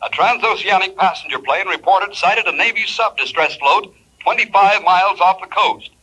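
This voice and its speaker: An actor playing a radio news announcer reading bulletins in a brisk, formal manner. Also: male voice, sits high, bright, forceful tone, slightly rough, dull audio, exaggerated voice. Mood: urgent. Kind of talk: 1940s radio acting.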